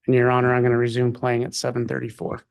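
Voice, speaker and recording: A man with a creaky, mid-pitched voice speaks as a prosecutor in a courtroom. He puts questions formally and haltingly, with pauses between phrases. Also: completely flat delivery.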